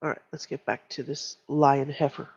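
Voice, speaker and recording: A woman's voice: low voice, steady tone, moderate pace, a little mellow, breathy edge, no echo. A woman hosting a casual livestream, chatty and emphatic, with a stuffy nose. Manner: chatty, reacts to chat, emphatic. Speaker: livestream host. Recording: dull lo-fi stream audio.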